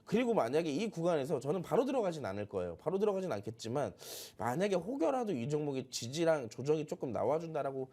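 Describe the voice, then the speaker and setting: A man's voice: a little high, sing-song, fast talker, few pauses, mellow. A man with a sore throat giving explanatory stock commentary as an expert, step by step to viewers.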